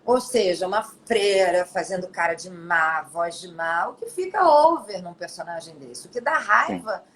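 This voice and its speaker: A middle-aged actress chatting as an interview guest, telling her stories in an animated, expressive way. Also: on the low side, moderate pace, slight background noise, rough recording. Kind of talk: casual storytelling interview.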